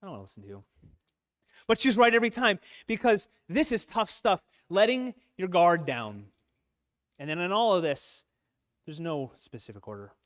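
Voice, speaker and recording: In a church sanctuary, a lay preacher gives an earnest, emotional sermon at a men's church talk, his voice catching as he speaks. It is high-pitched, expressive and a bit bright, delivered at a moderate pace.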